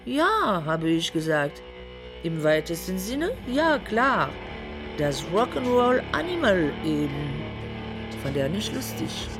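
Eine Schauspielerin spielt in einem Hörspiel eine trockene, spöttische Erzählerin einer Konzertnacht. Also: female voice, lowish voice, very animated, slow pace. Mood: wry, dry. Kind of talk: radio play narration and singing over music. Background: guitar music.

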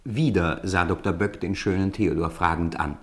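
An actor narrating a school tale in a radio play, in a measured, literary storytelling manner. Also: male voice, deep voice, natural voice. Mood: wry, composed.

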